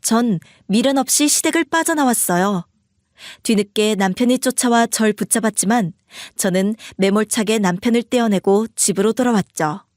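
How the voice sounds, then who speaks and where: A woman's voice: mid-range voice, moderate pace, a little mellow, no echo, clean studio sound. A woman narrating a first-person story as the wife and speaking her lines in a cold, firm way.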